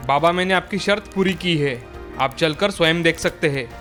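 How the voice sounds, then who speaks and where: A woman voicing a fearless twenty-two-year-old village man who speaks calmly and firmly. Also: low voice, moderate pace, faint music behind, voice pushed down. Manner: calm, firm, respectful.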